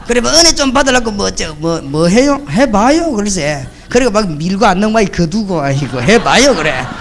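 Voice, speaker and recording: High-pitched pastor guy preaching, lively storyteller. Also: vocal fry. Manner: lively storytelling, acting out the voices of the people he quotes. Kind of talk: sermon.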